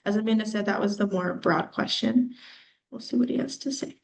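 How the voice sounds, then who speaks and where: A woman's voice: mid-range voice, fairly quick, gravelly. A woman giving a presentation in a casual, explanatory way, often using fillers like "um" and "like". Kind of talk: conference presentation.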